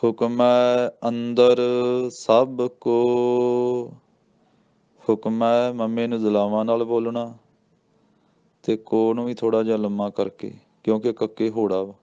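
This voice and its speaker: A man gives a slow lesson in scripture pronunciation, drawing out each verse in a deliberate chant before explaining it. His voice is low, flat and unhurried, with a smooth, mellow tone. The recording sounds a little dull and muffled. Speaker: scripture recitation teacher. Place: Sikh religious school.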